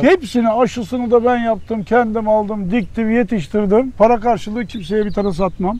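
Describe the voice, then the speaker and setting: At a moderate pace, a man talks in a high voice with ordinary pitch variation and hardly any pauses. His sound is dry, with no echo. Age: 70s. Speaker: retired auto body worker, villager. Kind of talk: interview answer. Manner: casual, conversational. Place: garden. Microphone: lapel.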